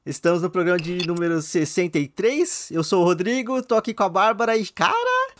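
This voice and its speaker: Fast-talking giggly Brazilian man host. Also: high voice, slight background noise. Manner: chatty, giggly, explains at length. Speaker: podcast host. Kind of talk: casual podcast chat.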